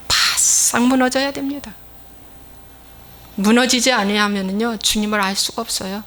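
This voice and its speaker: A woman's voice: mid-range voice, fairly bright tone. A woman pastor delivering a sermon, emphatic and scolding, acting out little quoted exchanges as she preaches.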